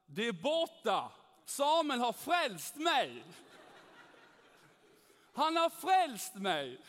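A man voicing a loud, mocking young woman with a Skåne accent, the queen of an office sales team. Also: mid-range voice, big pitch swings, big-room sound, pitched above the performer's own voice. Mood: elated shouting.

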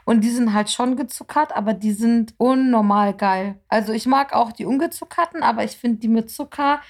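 A woman's voice: a little high, moderate pace. A woman from northern Germany hosting a podcast, chatting casually with slangy enthusiasm. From Kiel, northern Germany. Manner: slangy and enthusiastic, animated anecdotes. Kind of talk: casual chat.

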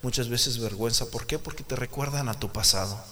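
A man preaching a sermon in a church, talking emphatically and swinging from soft, confiding talk to loud outbursts as he addresses the listener directly. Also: mid-range voice, a little fast. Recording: long hall reverb with faint background noise.

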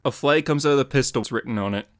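A man's voice: mid-range voice, fast talker. A man co-hosting a podcast, narrating comic panels in plain, descriptive tones. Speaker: podcast co-host.

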